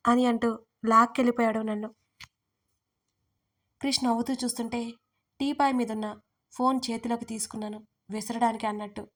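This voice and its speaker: A woman's voice: a little high, level tone, moderate pace, pauses often. Playful woman narrating a romance story. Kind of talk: scripted first-person narration of a romance audio story.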